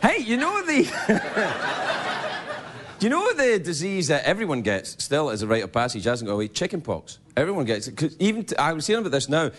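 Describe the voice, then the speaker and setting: A man doing a rambling stand-up monologue, slipping into silly voices for quick bits. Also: on the high side, big pitch swings, slight background noise. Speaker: stand-up comedian. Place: comedy stage before a live audience. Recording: live room with loud audience laughter.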